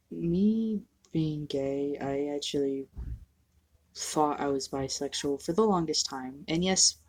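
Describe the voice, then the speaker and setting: A young trans man talking candidly to the camera in a casual home vlog, halting and self-deprecating, sniffly from allergies. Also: on the high side, a little mellow. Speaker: vlogger. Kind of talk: casual personal vlog monologue.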